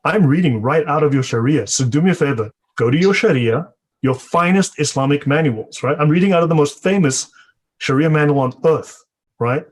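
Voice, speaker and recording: A man's voice: fairly high pitch, normal speed. A man on a live online discussion panel who speaks in an insistent, challenging way.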